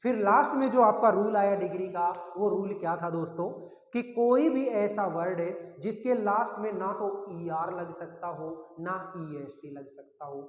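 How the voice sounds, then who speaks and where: High-voiced male teacher in echoey room. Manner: asks questions and answers them himself, repeats key words. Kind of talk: classroom grammar lesson. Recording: echoey room with long reverb.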